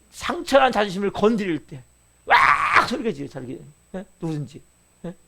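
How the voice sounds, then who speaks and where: A man preaching a church sermon, drawing slow emphasis on key words and throwing rhetorical questions at the congregation. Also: high voice, a bit bright. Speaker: pastor. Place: church service.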